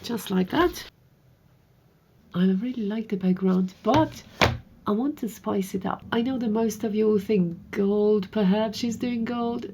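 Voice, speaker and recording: A woman with a slightly hoarse, croaky voice hosts a painting tutorial, chatting and thinking aloud as she works. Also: mid-range voice, measured pace, dark tone, a little hiss or hum. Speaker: art tutorial host. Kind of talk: casual painting tutorial narration.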